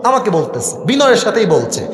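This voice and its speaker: A Bangladeshi male preacher tells a story in a high voice that rings with long reverb. His delivery is dramatic, slipping into dialogue and the odd English phrase, as in a sermon. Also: sing-song, brisk. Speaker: Islamic preacher. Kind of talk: sermon-style anecdote telling. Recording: echoey hall with long reverb.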